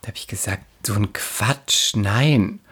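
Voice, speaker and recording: A woman from the Palatinate in Germany chatting casually and telling comic anecdotes with dramatic, animated delivery. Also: rumbling low, unhurried, breathy edge. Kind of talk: casual comedic chat and anecdotes.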